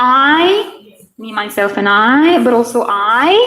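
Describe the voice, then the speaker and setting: A woman with a high voice and lively intonation speaks very slowly, with audible room echo and noticeable background noise. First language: French or Spanish. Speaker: community speaker on spirituality. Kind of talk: talk to a small audience. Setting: in front of an audience. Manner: halting, with repetitions.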